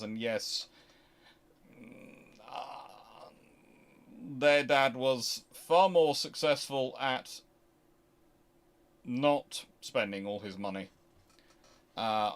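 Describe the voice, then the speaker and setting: A British man hosting a casual question-and-answer chat, talking in a rambling, halting way and often interrupting himself. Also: medium pitch. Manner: rambling, halting, animated anecdotes with self-interruptions. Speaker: host answering viewer questions.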